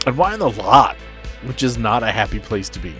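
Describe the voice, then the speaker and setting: A man with a lively, swooping delivery narrates as a tabletop game master, speaking conversationally and straight to his players. Music plays beneath his mid-pitched voice. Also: fairly quick. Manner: conversational, addresses players directly. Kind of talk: narrating a tabletop roleplay podcast.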